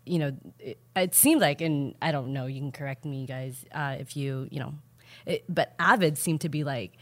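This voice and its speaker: A woman's voice: sits low, normal speed. A woman co-hosting a podcast, chatting casually and hesitantly, filling her talk with "like". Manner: chatty, uses "like" a lot, hesitant. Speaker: podcast co-host. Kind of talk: casual chat.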